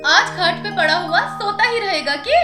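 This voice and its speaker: A woman's voice: very high-pitched, animated, moderate pace, roomy sound, music in the background. An actress playing a fed-up Haryanvi village wife and stepmother who scolds and wails, in a Haryanvi accent. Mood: complaining. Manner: scolding, wailing complaints.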